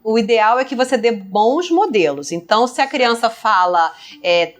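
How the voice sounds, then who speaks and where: A middle-aged Brazilian woman, a speech therapist, explaining child language development in a lively podcast chat. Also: a little high, moderate pace, faint music behind. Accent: Brazilian Portuguese. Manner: explanatory, lively, acts out parents and toddlers. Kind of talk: conversational podcast interview.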